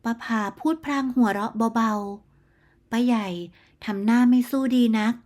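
A woman narrating a moral bedtime story in a steady, measured storytelling manner. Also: a little high.

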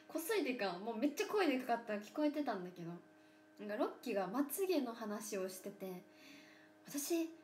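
Young woman in her twenties, idol livestream host, soft near-whispered chat, slightly high voice, roomy room with a faint hum. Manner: soft-spoken, often drops to a near whisper; playful drawn-out thank-yous to viewers.

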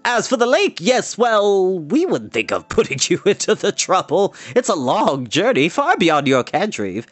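A man's voice: sits high, huge pitch swings, measured pace, no room sound, voice pushed up, heavily acted. A man voicing a fretful bard in a storybook, wordy, theatrical and nervous in manner. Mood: nervous politeness. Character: fretful, florid male bard with a harp.

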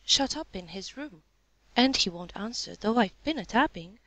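A woman's voice: mid-range voice, lively intonation, moderate pace, fairly bright tone, no echo, pitched above the performer's own voice, low-quality recording. Storybook servant: female reader as a deferential, flustered housemaid with rustic turns of speech, mid-range, close dry sound. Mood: fretful. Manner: deferential, fretful. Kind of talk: storybook character dialogue.

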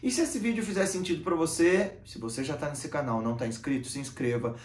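A man in his thirties from Brazil, hosting his channel with an expressive, gesturing monologue to camera from a room with bookshelves. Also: fast. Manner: expressive, gesturing, shifting volume and pitch often. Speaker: channel host. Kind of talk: animated philosophical monologue to camera. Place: small room with bookshelves, seated in armchair. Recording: roomy echo.

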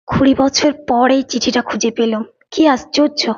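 A woman's voice: sits high, fairly even intonation, moderate pace, lo-fi sound. A woman storyteller playing a wistful, heartbroken woman haunted by lost love in an audio story. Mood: wondering, resolute.

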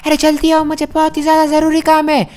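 A woman's voice: high voice, monotone, a little fast, darkish tone, lightly acted. A woman voicing an insistent armored hero giving urgent orders in a gameplay role-play. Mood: impatient. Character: urgent armored male tech hero, bossy.

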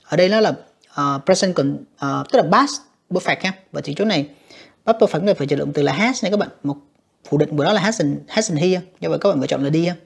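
A woman with a lowish, slightly husky voice walks through an exam as a teacher. She speaks patiently, repeating herself and filling pauses as she explains each answer. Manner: patient, repeats words, frequent fillers. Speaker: English teacher. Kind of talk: exam walkthrough lesson.

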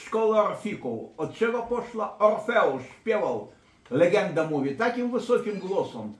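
A man's voice: high voice, very animated, unhurried. A man working as a therapist and court expert, giving a lecture-style talk in an emphatic, digressive way. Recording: echoey room.

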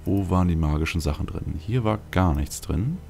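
Very deep, creaky-voiced man commenting on gameplay. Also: moderate pace, a little mellow. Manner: rambling, thinking aloud. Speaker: let's play host. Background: video game music.

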